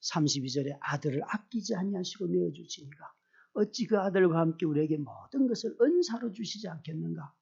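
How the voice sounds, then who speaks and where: Male pastor, middle-aged, sermon with personal story, animated, questions to congregation, raspy, muffled recording. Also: high-pitched, brisk. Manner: animated storyteller, acts out quoted prayers, asks the congregation questions. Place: church service. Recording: dull lo-fi recording.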